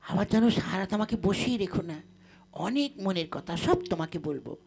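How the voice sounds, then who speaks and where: A woman's voice: medium pitch, sing-song, brisk, vocal fry, a little mellow. A woman playing a sly married village woman in a folk puppet comedy, coy and coaxing but bossy. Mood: coy, flirting. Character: sly married village sister-in-law, coyly flirting and scheming.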